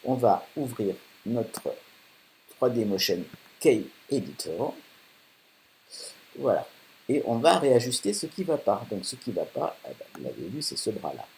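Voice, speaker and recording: A man hosting a casual software tutorial, thinking aloud with many fillers while working on screen. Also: mid-range voice, very animated, a little slow. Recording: faint hiss.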